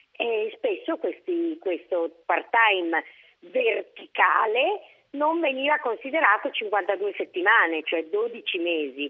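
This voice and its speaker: Her pitch fairly high and swinging very widely, a woman speaks at a very slow pace. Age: 60s. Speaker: pension institute executive. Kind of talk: radio interview.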